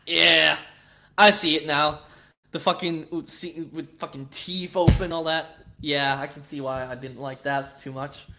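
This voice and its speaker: High, bright-voiced Swedish man rambling casually. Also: steady tone, unhurried, gravelly, a little hiss or hum. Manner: rambling, profane, with frequent restarts and laughs. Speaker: livestream host chatting with viewers. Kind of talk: casual chat.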